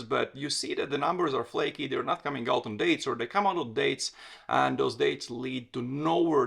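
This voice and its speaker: A man's voice: mid-range voice, gravelly, a bit bright, husky. A man from Latvia, hosting a solo podcast in a direct, conversational way and often correcting himself mid-sentence. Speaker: podcast host and dating coach.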